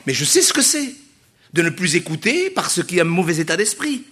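A man with a notably high voice preaches a sermon to his congregation. He talks to them directly and repeats his phrases. He rises to loud, drawn-out exhortations and then drops to soft, quick asides. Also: sing-song, slightly rough. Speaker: pastor.

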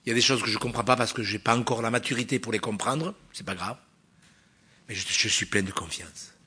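A man preaching a sermon in a church, emphatic, swinging from loud stresses to quiet asides and asking the congregation rhetorical questions. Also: fairly low pitch, a little fast, slightly rough.

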